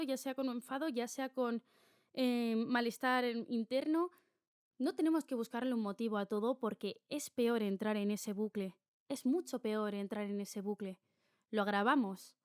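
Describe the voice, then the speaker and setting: A young woman hosts her own podcast, talking openly and confessionally. Her voice sits fairly high, and she slips into her own inner voice as she speaks. The sound is close and dry, with no room around it. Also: moderate pace, clean tone, no echo. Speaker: podcast host. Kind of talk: casual solo podcast monologue.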